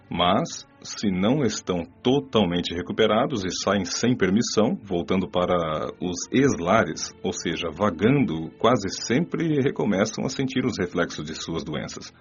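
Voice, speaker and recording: Man doing a wise patient spirit teacher, lowish calm voice, explains slowly, dull lo-fi with music. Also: husky, full character voice. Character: wise adult male spirit mentor, patient. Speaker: teacher figure. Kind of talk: radio drama acting.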